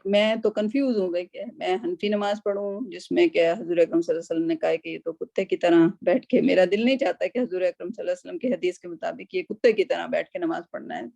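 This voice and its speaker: A woman's voice: fairly low pitch, creaky, dark tone, no room sound, lo-fi sound. A woman teaching a Quran class over a video call, explaining patiently and often checking in with her students.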